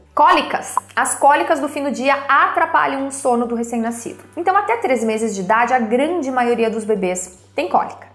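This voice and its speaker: With an animated tone and lively intonation, a woman speaks at a high pitch. She leaves hardly any pauses over noticeable background noise. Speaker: parenting content creator. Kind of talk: tutorial. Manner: fast.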